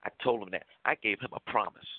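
A man's voice: fairly low pitch, fast talker, slightly rough, dry recording. Man telling a story over a tinny line. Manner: animated storyteller, acts out quoted lines, colloquial. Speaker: radio talk show co-host. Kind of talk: storytelling on a call-in talk show. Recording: tinny phone-line sound, dry.

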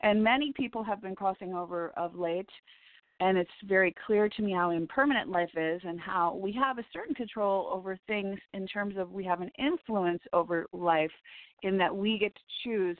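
A woman hosts a spiritual call-in show in a scratchy, hoarse voice, talking in a rambling, heartfelt way and breaking into small laughs. She comes through a tinny phone line with a dry, close sound and no room around her. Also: mid-range voice, moderate pace, no room sound. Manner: chatty and heartfelt, with little laughs and restarts. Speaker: radio show host and psychic reader. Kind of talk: rambling spiritual radio monologue.

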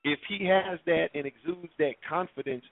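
A man's voice: on the high side, moderate pace, gravelly, no echo, phone-quality sound. Man explaining at length on talk radio. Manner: explains at length with worked examples. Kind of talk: casual talk radio chat.

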